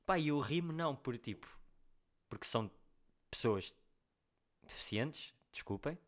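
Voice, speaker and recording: A man's voice: medium pitch, expressive, unhurried. A man, co-hosting a casual chat in a slangy, joking, rambling way. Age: 20s. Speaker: podcast co-host.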